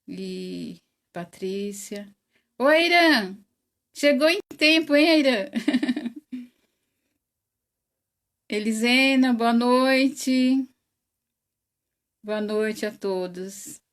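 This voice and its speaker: This host of an online spiritist study speaks extremely slowly in a fairly high voice with a Brazilian Portuguese accent, pausing often. On her livestream she chats casually, greets viewers by name one by one, laughs frequently, and says her voice is very loud.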